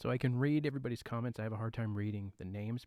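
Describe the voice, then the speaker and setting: The voice is soft-spoken and moves at a very fast pace. Its pitch varies in an ordinary way. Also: man. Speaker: guitarist streamer. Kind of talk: casual live stream chat. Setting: live stream.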